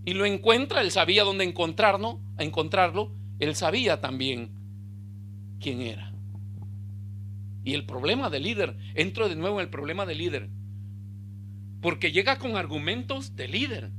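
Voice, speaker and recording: A male pastor, preaching a sermon with bursts of emphasis and quiet low asides. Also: lively intonation, moderate pace, pauses often, slight background noise.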